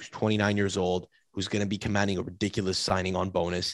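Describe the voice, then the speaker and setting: On a very clean recording with a silent background, a man talks. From Canada. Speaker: podcast co-host. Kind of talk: casual chat. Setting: studio.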